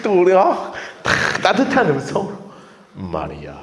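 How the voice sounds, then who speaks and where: Animated high-voiced pastor in an echoey hall. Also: male voice, a little fast, very noisy. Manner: animated, lively storytelling with acted-out quotes and laughter. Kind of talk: sermon. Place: church sanctuary. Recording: echoey church hall with long reverb.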